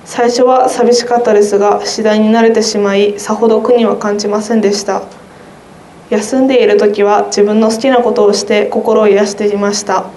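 A teenage girl, a high school student, reading her own essay aloud quietly and carefully for a radio program. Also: flat delivery, moderate pace, echoey room, slight background noise, poor audio. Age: teens.

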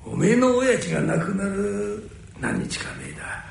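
Gruff old merchant, played by a man, rough downtown talk, lively swoops and gravel in a very echoey room. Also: sits high, a little slow, slight background noise, exaggerated voice. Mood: remorseful. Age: older. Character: older male nori wholesaler, gruff but caring.

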